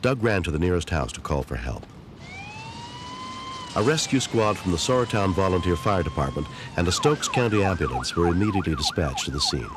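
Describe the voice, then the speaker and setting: A man narrating a true rescue story in a grave, measured, scripted way. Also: deep voice, huge pitch swings, noisy background. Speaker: program narrator.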